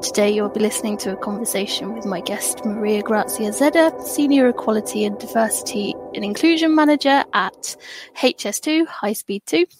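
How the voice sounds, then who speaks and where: A woman's voice: mid-range voice, normal speed, music in the background, low-quality recording. An English woman hosting a podcast, reading a scripted intro and then chatting in an upbeat way and laughing often. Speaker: podcast host.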